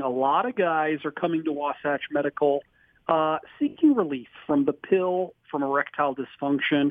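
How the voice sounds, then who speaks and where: At a moderate pace, a man talks in an ordinary speaking voice that sits fairly high in pitch. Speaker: medical clinic representative. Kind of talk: sales pitch. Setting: studio.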